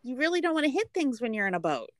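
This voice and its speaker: A woman's voice: high-pitched, sing-song, fast, no room sound, studio quality. A woman co-hosting a podcast, chatting casually and animatedly about a TV show, giggly and prone to acting out quotes. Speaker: podcast co-host. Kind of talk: casual TV recap chat.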